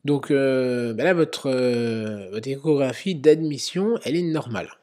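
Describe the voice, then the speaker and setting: A man's voice: medium pitch, a little slow, darkish tone. A man, a medical educator, talking through an emergency-medicine quiz in an explanatory way, with many fillers. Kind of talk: narrated quiz lesson.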